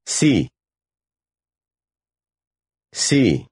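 Male model speaker, lowish voice, lively intonation, deliberate pronunciation for repetition. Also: breathy edge, no echo, clean studio sound. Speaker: model speaker in a language course.

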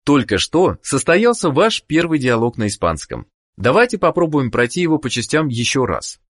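Lively man narrating a language lesson. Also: mid-range voice, normal speed. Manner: clear prompting instructions. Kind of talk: scripted instructional narration.

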